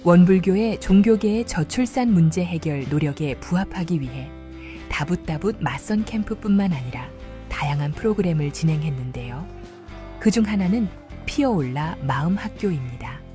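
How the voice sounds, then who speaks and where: A woman giving calm, measured, formal scripted documentary narration. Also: fairly low pitch, over music.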